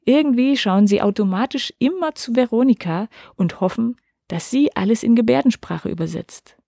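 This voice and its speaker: A woman narrating a story in a gentle, expressive reading voice, lightly voicing the characters. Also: fairly high pitch, normal speed, gravelly, dry recording, clean studio sound. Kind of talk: scripted storytelling for children.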